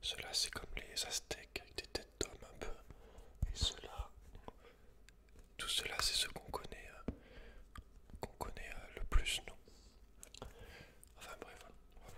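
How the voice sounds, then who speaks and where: Male ASMR host: whispered, unhurried delivery, hushed and intimate, chatting and reading to one person. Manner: soft, hushed, intimate address to one listener.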